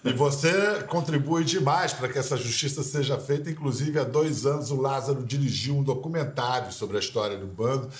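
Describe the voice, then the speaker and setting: A male talk show host speaks at an ordinary, middle pitch, asking his guest measured questions. The room around him lends a clear echo. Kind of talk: interview questions. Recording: roomy echo.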